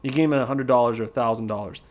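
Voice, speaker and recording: A man's voice: mid-range voice, very fast. A man in the middle of his vocal range who talks straight and hard, like a friend who won't sugarcoat anything. He teaches on a loose, casual stream and drives each point home through repetition. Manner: blunt, emphatic, repeats key points. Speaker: trading educator.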